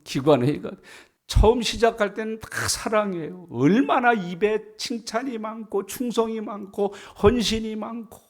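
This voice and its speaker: A man preaching a sermon in a church, animated, often acting out the people he quotes and swinging between loud and soft. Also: high voice, gravelly. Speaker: pastor. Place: church sanctuary.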